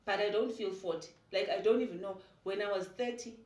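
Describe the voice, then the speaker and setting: A woman's voice: mid-range voice, steady tone, fairly quick, a little mellow. A woman in her forties with a South African Xhosa accent, a podcast guest talking animatedly and switching between Xhosa and English. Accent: South African, Xhosa-speaking. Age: 40s. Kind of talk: casual conversational interview. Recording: echoey room, mic at a distance.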